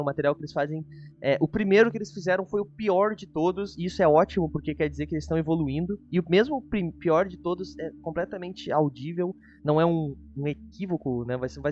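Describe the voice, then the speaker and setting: High-voiced Brazilian man, slightly muffled. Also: fast, a little mellow. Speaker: host of a reaction show. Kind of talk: casual review chat. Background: music.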